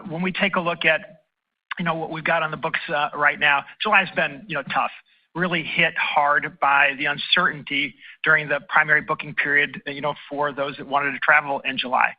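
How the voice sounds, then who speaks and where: A man speaking as an airline chief executive, answering analysts on an earnings call in halting phrases. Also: on the high side. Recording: dull conference call audio.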